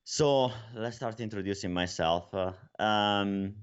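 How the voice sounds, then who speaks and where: Low-voiced Italian man in his 30s, chatty conference speaker with fillers, dull headset audio. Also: slow pace, clear, resonant tone. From Italy. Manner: casual storytelling with many fillers. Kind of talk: tech conference talk. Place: home room, at night. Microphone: headset over cap, video call. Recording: dull lo-fi video call audio.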